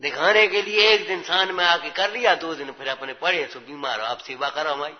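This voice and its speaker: A man's voice: a little high, fairly quick. A man giving a religious scripture sermon, exhorting his listeners and checking their understanding with rhetorical questions. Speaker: religious teacher. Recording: dull lo-fi with long hall reverb.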